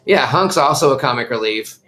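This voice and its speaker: A middle-aged man talks casually and enthusiastically as he hosts a live stream, answering viewers between remarks. His pitch swings widely and eagerly, rising and falling through each sentence. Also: lively intonation, fairly quick, pushed and bright. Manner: chatty, enthusiastic, reads and answers viewer comments. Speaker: channel host watching a show with his kids.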